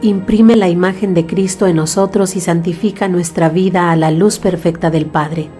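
A woman reciting a prayer in a calm, devout manner. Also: fairly low pitch, normal speed, faint music behind. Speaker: prayer reader.

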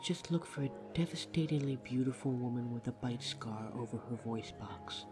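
A man acts out a vampire barista in an audio drama. He is polite on the surface, with dry, teasing barbs underneath. His mid-pitched voice sits over clearly audible music. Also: normal speed, natural voice. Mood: explaining, polite. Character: courteous but snide centuries-spanning vampire barista. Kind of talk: audio roleplay acting. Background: music behind the voice.

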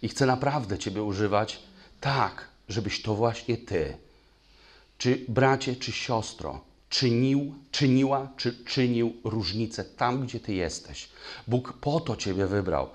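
A man preaching a sermon in a church, telling stories with lively sound effects, at times moved to tears. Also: medium pitch, slow. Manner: animated, acts out gunfire with spoken sounds; emotional, voice breaks. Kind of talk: sermon with storytelling. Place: church hall.

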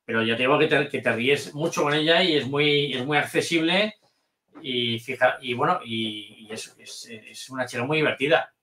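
A man, a guest in a casual interview chat, hesitant and halting. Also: mid-range voice, bright, forceful tone, reverberant. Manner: hesitant, full of restarts and fillers. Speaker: guest, channel manager.

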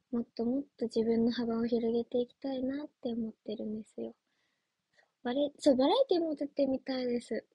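A young woman with a high, slightly rough voice chats on her livestream as an idol trainee, playfully giggling through viewer comments. The recording is dry.

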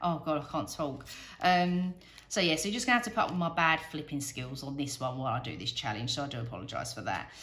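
A woman's voice: sits low, expressive, fast talker, a bit bright. A British woman chatting casually as she narrates a hands-on task, thinking aloud in a rambling, self-deprecating way. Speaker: budgeting vlogger. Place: indoors at a wooden table.

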